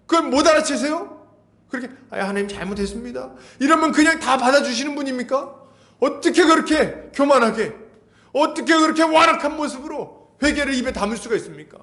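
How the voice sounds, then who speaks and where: A man's voice: very high voice, fairly quick, fairly bright tone. A man pastor preaching an expository sermon, emphatic, acting out Bible scenes and asking the congregation rhetorical questions.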